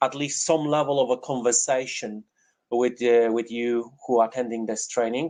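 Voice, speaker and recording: Here a man speaks with a Polish accent. His intonation is monotone and flat. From Poland. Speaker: education and training director, webinar presenter. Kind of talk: live webinar presentation. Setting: online webinar. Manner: halting, many fillers.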